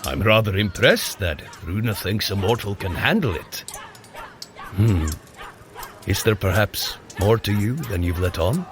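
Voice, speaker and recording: An actor playing a boastful, jovial warrior god prince in an audio drama, with a showy manner and grand old-fashioned phrasing. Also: male voice, fairly low pitch, animated, unhurried, a little hiss or hum. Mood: proud, jovial. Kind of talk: audio drama acting for a guided workout.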